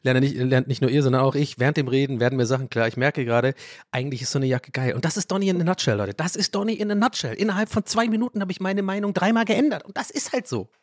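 A man hosting a podcast, talking in a rambling, animated way, often interrupting himself and laughing. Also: fairly high pitch, fast, dry recording, studio quality. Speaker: podcast host. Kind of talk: casual podcast monologue.

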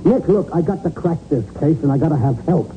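An actor playing an earnest, dogged American police sergeant, emphatic and urgent, in 1940s radio crime drama style. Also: male voice, a little high, lively intonation, fairly quick. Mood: insistent, frustrated. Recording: narrow-band 1940s radio with faint noise.

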